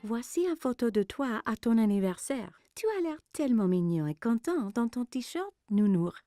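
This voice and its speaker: A gentle cartoon mother, with a fairly high, mellow voice and very melodic delivery. She is reassuring and encouraging with her child. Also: very animated, moderate pace, no echo, soft background music. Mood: tender, apologetic.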